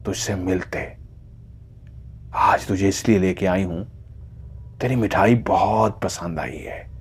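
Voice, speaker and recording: A man voicing a menacing, gloating female witch in a horror story, speaking slowly and threateningly. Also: low voice, a little mellow, husky, heavily acted.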